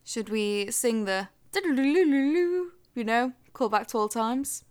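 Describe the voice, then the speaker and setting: A woman with a somewhat high voice co-hosts a podcast in relaxed, casual chat. She tosses off dry, sardonic one-liners. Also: a little slow, clear, resonant tone. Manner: wry, sardonic quips. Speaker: podcast co-host.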